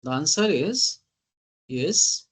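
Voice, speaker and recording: A man with an Indian English accent gives an online teaching lecture in a fairly high voice. He rattles off lists of terms in emphatic bursts. He keeps checking in with "right?" and often says "ladies and gentlemen.". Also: animated, slow, slightly rough. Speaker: guest lecturer.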